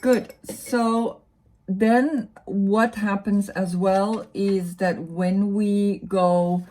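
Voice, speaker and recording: A woman with a German accent, explaining tarot cards in a relaxed, musing way, with lots of fillers and tag questions. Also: medium pitch, drawn-out words, rough recording. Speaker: tarot reader and yoga teacher. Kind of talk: casual explanatory talk about tarot cards.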